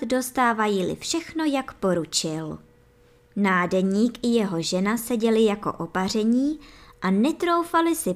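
A woman reading a fairy tale aloud as a storyteller, with clear, even storytelling. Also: medium pitch.

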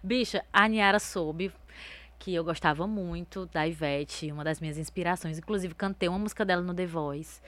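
A woman with a bright, ringing voice tells stories as an interview guest. She is a lively, expressive talker with a relaxed, chatty delivery. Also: fairly low pitch, moderate pace. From Northeast Brazil. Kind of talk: casual interview storytelling.

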